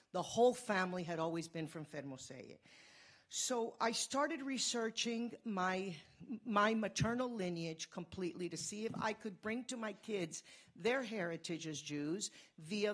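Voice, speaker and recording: A woman from Cuba giving a fast, earnest conference talk, telling a personal story. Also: mid-range voice. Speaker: conference speaker.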